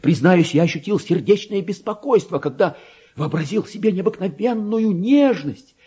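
Crazy clerk who thinks he's king, radio play, mellow slightly husky voice, pompous and all over the place. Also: expressive, moderate pace. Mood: anxious, fretful. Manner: pompous, erratic, theatrical, swinging from hushed to shrill. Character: deluded madman clerk, believes himself king of Spain. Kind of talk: dramatic literary monologue, Russian radio play.

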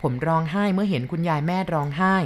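A woman narrating a first-person story from a boy's point of view in a calm, measured reading. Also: on the low side.

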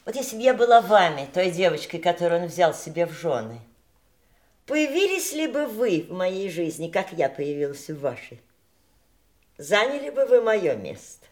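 An actress playing a dignified, candid mistress in an audio drama, reflective and wistful in a theatrical style. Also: female voice, fairly low pitch, normal speed. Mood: probing. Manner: reflective, expressive.

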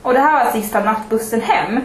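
A woman, a podcast guest telling candid anecdotes with wry asides. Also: a little high. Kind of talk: casual chat. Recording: echoey room with faint background noise.

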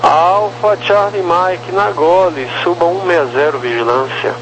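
A man's voice: high-pitched, unhurried. A man working as an air traffic controller, giving instructions to aircraft over the radio. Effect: aviation radio. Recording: noisy radio channel with hum.

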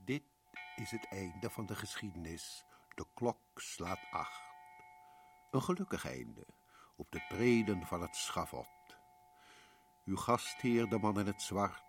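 A slow, deep and ominous host dressed in black, closing a radio play. He drawls each word solemnly over clear music. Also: lively intonation, heavily acted. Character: sinister host in black, male. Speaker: narrator and host. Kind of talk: old radio drama narration.

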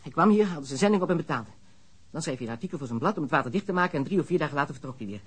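A man's voice: fairly high pitch, lively intonation, very fast, husky. A man playing a blunt, shameless smuggler under questioning. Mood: brazen. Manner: frank, matter-of-fact, shameless. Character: smuggler confessing under police interrogation, boastful and blunt. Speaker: suspect. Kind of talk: radio drama acting.

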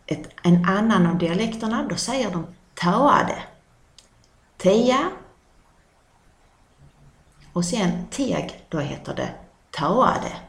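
A woman with a Scanian Swedish accent who teaches dialect vocabulary, saying each word slowly several times and explaining it. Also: mid-range voice, expressive, gravelly, roomy sound. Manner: repeats words slowly and explains them.

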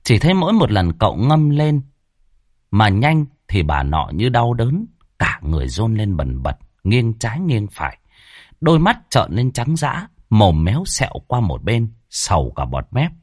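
A man narrating a ghost story in a lively, dramatic, colloquial way, with a husky voice. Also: lowish voice, measured pace, no echo, clean studio sound.

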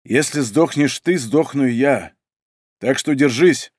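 A man voicing a gruff male squad captain who barks orders and swears coarsely. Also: medium pitch, a little slow, a little mellow, no room sound, clean studio sound. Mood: grim.

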